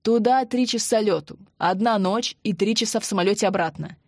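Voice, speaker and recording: A woman's voice: medium pitch, brisk, dry recording, close to an everyday voice. A woman voicing a young man who talks in a dry, teasing way. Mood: wry. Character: young man, wry and joking.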